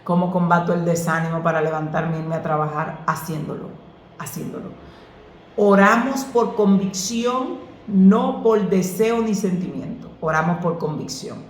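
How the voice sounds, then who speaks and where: Lady pastor talking prayer, earnest and preachy, roomy echo. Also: deep voice. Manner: earnest, preacherly, animated storytelling. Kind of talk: answering questions on prayer. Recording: echoey room.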